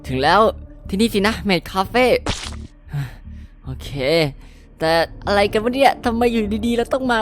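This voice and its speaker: A woman's voice: fairly high pitch, expressive, moderate pace, soft background music, lightly acted. Takemichi, woman as a flustered teen hero. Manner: flustered, polite, stammering. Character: nervous kind-hearted teenage boy hero. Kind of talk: game cartoon voice acting.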